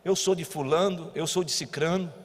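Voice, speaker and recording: A Brazilian pastor preaching a sermon, moving between quiet teaching and loud exhortation. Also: male voice, on the high side, moderate pace, breathy edge. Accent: Brazilian Portuguese. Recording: long church hall reverb.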